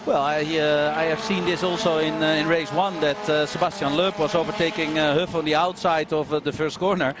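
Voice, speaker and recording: Slightly high-voiced guy co-commentating motorsport, chatty and hesitant, really loud cars behind. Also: steady tone, brisk, hardly any pauses. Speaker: motorsport co-commentator, racing driver. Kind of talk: live race analysis. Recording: very loud car and track noise.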